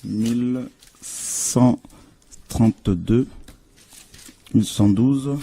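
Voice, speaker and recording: A man preaching a sermon as pastor, earnest and halting, with frequent fillers and restarts. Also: medium pitch, dark tone, breathy edge.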